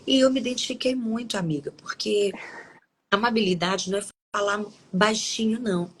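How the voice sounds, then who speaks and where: A woman's voice: medium pitch, normal speed, a little hiss or hum, poor audio. A woman hosting a Christian live stream, talking conversationally and reading scripture, often tagging her sentences with questions. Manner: conversational, with frequent tag questions and restarts. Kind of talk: devotional talk and scripture reading.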